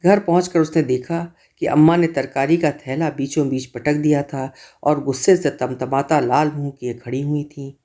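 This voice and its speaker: A man reading a literary short story aloud as narrator, in a measured, expressive way. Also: on the high side.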